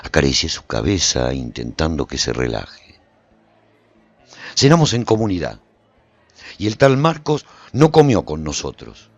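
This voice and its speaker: Radio serial narrator: weary apocalypse survivor, low-pitched, rough-edged, suspenseful storytelling in a dry studio sound. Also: male voice, very animated, measured pace, long pauses, no room sound, muffled recording, full character voice. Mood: watchful, reflective. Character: weary, wary male survivor recounting his journey after apocalypse. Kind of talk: scripted dramatic first-person radio serial narration.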